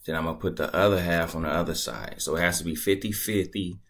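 A man casually talking through a screen-recorded tutorial at his computer, laid-back and thinking out loud as he goes. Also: deep voice, steady tone, fast talker. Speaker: crypto tutorial creator.

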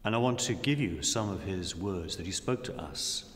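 A middle-aged Catholic priest, a man giving a solemn, measured sermon with long pauses between phrases. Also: sits low, lively intonation, slight background noise. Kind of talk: reflective sermon and prayer. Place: large dim indoor room. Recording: long echoing reverb of a hall.

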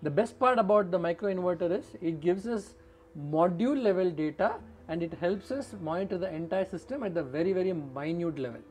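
A man's voice: high-pitched, a little fast. A middle-aged man, a solar engineer, explaining equipment to camera in an earnest way, often repeating words for emphasis, recorded outdoors on a rooftop garden with a lapel mic.

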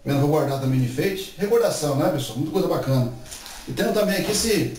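A man's voice: on the high side, fast talker. Chatty man, echoey distant room. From Brazil. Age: 40s. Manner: chatty, animated gestures, many filler tags like "né" and "tá certo". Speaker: YouTube channel host. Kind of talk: casual vlog monologue to camera. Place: indoor room before a painted wall. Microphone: camera mic from a few meters away. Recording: echoey room, far from the mic.

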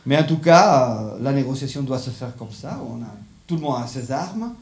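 A man's voice: medium pitch, animated, moderate pace, darkish tone. A middle-aged man with a Spanish accent, a non-native speaker giving a live lecture and often searching for his words. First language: not French, speaks it as a foreign language. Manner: hesitant, searching for words in a second language. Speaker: conference speaker. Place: indoor lecture room with seated audience. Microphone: handheld microphone. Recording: echoey room, slight background noise.

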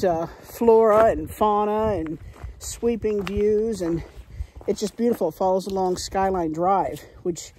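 A woman's voice: mid-range voice, warm tone, a little hiss or hum, poor audio. A woman, chatting to a phone at arm's length while hiking a wooded mountain trail, upbeat and encouraging. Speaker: hiking vlogger. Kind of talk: casual vlog to camera. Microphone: phone held at arm's length.

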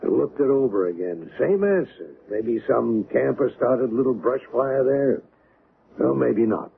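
An actor playing a sober, resigned, skeptical friend in a 1970s radio drama. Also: male voice, mid-range voice, expressive, a little slow, vocal fry. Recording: narrow-band old radio, background noise.

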